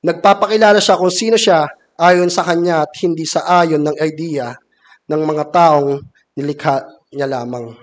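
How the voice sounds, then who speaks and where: A Filipino man in his thirties preaching a measured sermon from a wooden pulpit in a church hall, reading scripture aloud. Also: on the high side, fairly even intonation. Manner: measured, reads scripture from a laptop. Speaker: deacon preaching. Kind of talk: sermon mixing Filipino and English.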